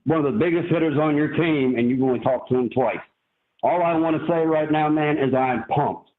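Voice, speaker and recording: A man's voice: fairly high pitch, fairly quick. A man calling in to a live show, heard over a phone line, talking in a rambling, candid way with fillers. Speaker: caller to a live fan show. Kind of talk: casual call-in chat.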